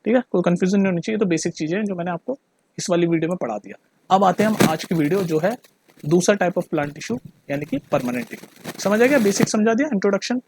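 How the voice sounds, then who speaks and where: High-voiced chatty male teacher. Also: fast, background noise. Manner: chatty, keeps checking the listener understands; mixes Hindi with English terms. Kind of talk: casual classroom explanation.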